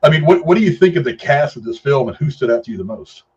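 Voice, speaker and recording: A man with a husky, slightly rough voice hosts a casual film review chat. He talks in an emphatic, gushing way, repeating words for weight. The sound is a little dull and lo-fi. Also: mid-range voice, expressive, quick pace, darkish tone. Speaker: film review show host.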